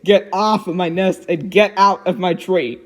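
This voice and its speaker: Guy playing a cheerful little girl reading a storybook out loud, high pitched n giggly. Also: unhurried. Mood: animated storytelling. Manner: giggly, expressive.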